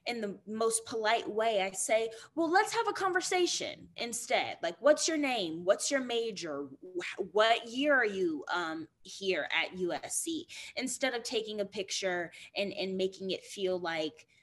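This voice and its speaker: A young woman speaks as a guest over a video call from a small indoor room. She tells her stories in an animated, quick way, her pitch sitting in a middle range, and fills her sentences with ums and restarts. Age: young adult. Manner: animated, quick storytelling with fillers and repeats. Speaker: guest actor.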